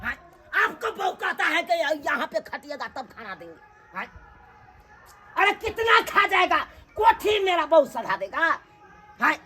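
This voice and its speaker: A woman's voice: extremely high pitch, very animated, a little slow, full character voice. Woman playing a fuming Maithili husband. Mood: angry. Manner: loud, scolding, theatrical. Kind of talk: village comedy skit acting.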